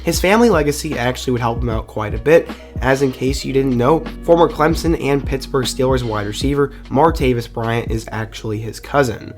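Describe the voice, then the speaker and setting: A man of middle pitch narrates a scripted college football story in a relaxed, conversational fan style. He is getting over the flu. Quiet music plays faintly underneath. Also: a little fast, few pauses. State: recovering from the flu. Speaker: YouTube sports video host.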